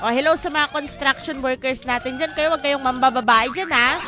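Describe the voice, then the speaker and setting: A woman speaks in a raised, projected voice at a high pitch, with an animated tone. Music plays in the background. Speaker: radio host. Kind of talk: radio advice show.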